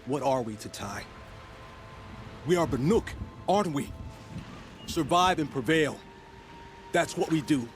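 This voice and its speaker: A man's voice: fairly high pitch, expressive, a little slow, pauses often. A man playing an outspoken, talkative young tribal hunter in a video game cutscene. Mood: subdued, defensive. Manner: emphatic, outspoken. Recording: music behind the voice.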